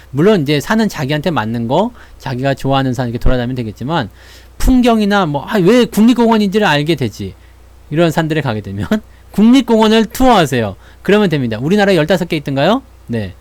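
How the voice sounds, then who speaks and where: A man's voice: on the high side, darkish tone. A man hosting a stock market channel, talking in a casual, playful way and acting out little voices as he chats. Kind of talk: casual chat.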